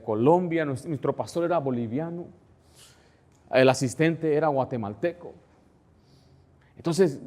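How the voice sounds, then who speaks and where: Preaching in a conversational style, this pastor invites his listeners to follow the text with him, raising his volume whenever he drives a point home. He speaks at a fairly high pitch.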